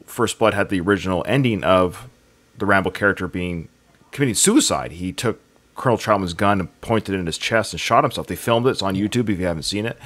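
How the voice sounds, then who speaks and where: Male podcast host with a lowish voice, chatty and joking. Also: a bit bright. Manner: chatty and joking, rambles through film history. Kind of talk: casual podcast chat.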